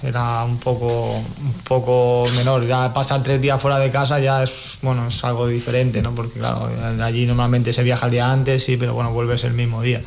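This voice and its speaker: A young man answers a radio interviewer in a flat, even voice, relaxed and unhurried, with small sighs between points. A faint hiss runs behind him. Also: medium pitch, gravelly. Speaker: futsal player.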